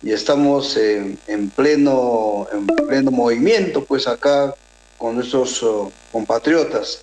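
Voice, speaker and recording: A man from southern Peru with a Peruvian Spanish accent, a radio guest giving measured political analysis, pausing often with fillers and restarts over a remote call. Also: mid-range voice, a little mellow. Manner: measured, hesitant, many filler pauses and restarts. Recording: roomy echo.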